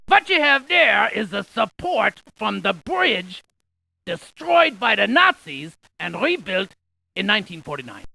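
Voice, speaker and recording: A man voicing an excitable, quirky scientist in a video game, with a creaky voice and a folksy, jokey, exaggerated delivery. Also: extremely high pitch, dry recording, full character voice. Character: excitable, quirky scientist tour guide, full of folksy quips. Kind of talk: cartoonish video game character lines.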